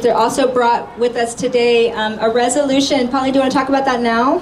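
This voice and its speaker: A woman's high voice stays monotone and flat over noticeable background noise. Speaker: rally organizer. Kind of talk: event announcements. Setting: outdoors.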